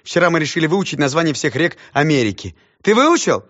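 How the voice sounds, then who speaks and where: A man reading a story aloud, voicing an exasperated female schoolteacher who scolds loudly. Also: big pitch swings, brisk, muffled recording. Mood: stern. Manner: shrill, scolding, loud.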